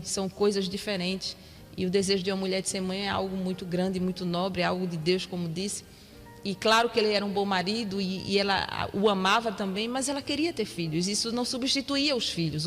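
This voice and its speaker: A Brazilian Portuguese woman preaching a sermon in a church, reflective and repeating her points for emphasis. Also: on the high side. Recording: long hall reverb with soft music.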